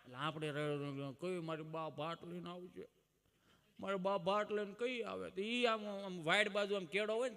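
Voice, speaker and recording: A man telling a folksy comedy monologue on stage, preaching to the audience and breaking into mock shouts and sung lines. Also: sits high. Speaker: comic storyteller. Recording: long hall reverb.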